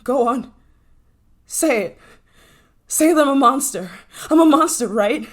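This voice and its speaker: A woman's voice: sits high, lively intonation. A woman playing an obsessive, menacing scientist in an intense, possessive ASMR roleplay. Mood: anguished, furious. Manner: intense, pleading, possessive, dramatic pauses. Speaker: voice actor in audio roleplay.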